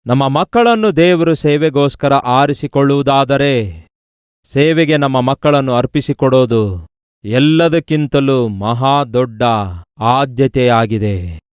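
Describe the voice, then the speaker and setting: A man's voice: mid-range voice, a little slow, clean tone, no echo, studio quality. A male pastor telling a story in a sermon, earnestly addressing his listeners as beloved.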